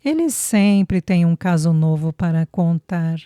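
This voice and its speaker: A woman's voice: fairly low pitch, animated, unhurried, smooth, no room sound, studio quality. A woman voicing a shy, self-conscious young woman. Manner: soft, hesitant.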